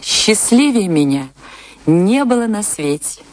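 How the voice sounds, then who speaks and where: A woman's voice: mid-range voice, slow pace. An actress playing a passionate woman dancer recounting a stormy love affair in a confessional, theatrical radio play manner. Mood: reflective. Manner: theatrical, confessional, emotionally expressive. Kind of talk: dramatic radio play monologue and dialogue.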